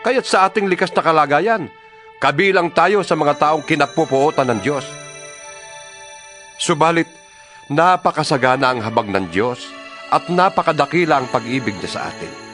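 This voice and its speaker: A man voicing a fervent apostle in a dramatized scripture reading, solemn and exhortatory with deliberate phrasing. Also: on the high side, animated, a bit bright. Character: Paul the apostle, fervent letter-writer to believers. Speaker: scripture reader. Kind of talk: dramatized audio Bible reading, scripted and declamatory. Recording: music bed under the voice. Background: background music.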